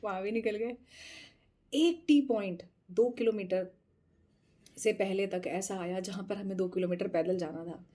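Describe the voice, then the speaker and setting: Woman, casual vlog storytelling, animated, frequent laughter, mixes in English phrases, mellow voice. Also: medium pitch, unhurried, a little hiss or hum. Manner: animated, laughs often while retelling. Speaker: tarot channel host.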